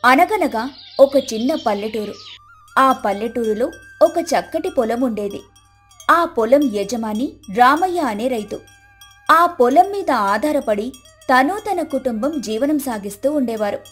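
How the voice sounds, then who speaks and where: A woman narrates a scripted story in a high-pitched voice. Soft music runs underneath her storytelling. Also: lively intonation, measured pace, husky.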